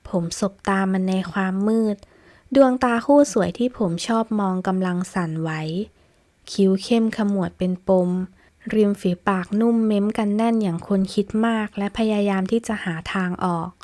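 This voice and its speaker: A woman narrating a first-person audiobook in a calm, reflective reading. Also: medium pitch, normal speed. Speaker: audiobook reader and author.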